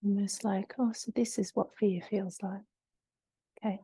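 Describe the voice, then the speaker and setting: Soft, very mellow woman guiding meditation. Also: medium pitch, steady tone, breathy edge, dry recording. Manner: gentle, unhurried, soothing delivery with long pauses. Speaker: meditation guide. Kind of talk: guided meditation.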